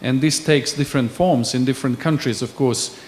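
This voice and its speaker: A man from Bosnia, asking a panel a long, measured question from the floor. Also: medium pitch, slight background noise. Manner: measured, searching for words. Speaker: audience member asking a question.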